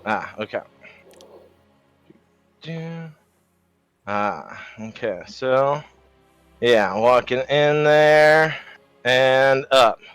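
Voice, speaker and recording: A man playing a tabletop game, chatting casually in a playful, halting way. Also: medium pitch, a bit bright, clean tone, no echo, faint music behind. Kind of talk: casual chat.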